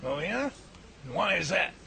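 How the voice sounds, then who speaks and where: A man's voice: high-pitched, big pitch swings, normal speed, gravelly, heavily acted. An actor in a hobby radio drama playing a folksy, curious older male professor who teases and asks questions, over a noisy recording. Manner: folksy and inquisitive.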